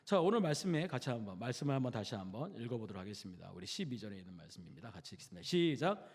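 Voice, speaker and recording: A man's voice: fairly low pitch, animated, racing, a little mellow, husky. A man preaching a Wednesday sermon in a conversational way, often putting questions to the congregation. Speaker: pastor. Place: church sanctuary. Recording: long church hall reverb.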